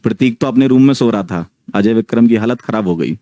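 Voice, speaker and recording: A man in his thirties tells a story in a relaxed, chatty way, often pausing to check in with his audience. His voice sits low and mellow. The sound is dry and close, with no room in it. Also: dry recording. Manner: chatty, keeps checking in with the listeners. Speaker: online teacher telling a ghost story. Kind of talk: casual storytelling to a live audience.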